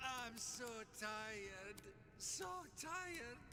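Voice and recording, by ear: Over loud background noise, a put-on character voice whines in a whiny tone at a fairly high pitch.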